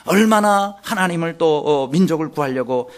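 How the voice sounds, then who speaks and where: A man's voice: fairly high pitch, expressive, moderate pace. A male pastor preaching a sermon, asking the congregation questions and voicing anguished quoted pleas.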